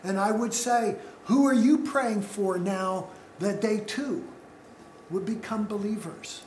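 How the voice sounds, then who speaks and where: A male pastor preaching a sermon, unhurried, putting questions to the congregation. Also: high-pitched, echoey room, a little hiss or hum, rough recording.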